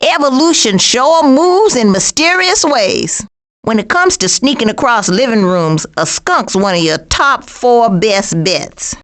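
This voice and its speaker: A sassy female cartoon skunk for a video game, with an American accent. The voice sits high and moves in lively, animated swings. The delivery is cranky, folksy and dry-witted, full of streetwise sarcasm. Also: a little slow. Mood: sassy, deadpan.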